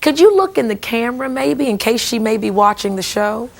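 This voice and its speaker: A woman's voice: a little high, expressive, brisk, gravelly. A woman hosting a television talk show, coaxing a guest to share his story before a studio audience.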